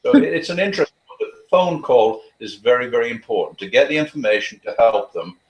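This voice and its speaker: Fast-talking man in an echoey room. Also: medium pitch, lively intonation. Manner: fast, earnest, with frequent restarts and stammers. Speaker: dog trainer and guest. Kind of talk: conversational interview advice.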